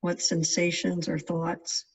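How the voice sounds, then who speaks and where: A meditation guide giving gentle, measured instructions in spaced-out phrases. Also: mid-range voice, completely flat delivery, slightly rough. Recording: distant mic, dull lo-fi sound.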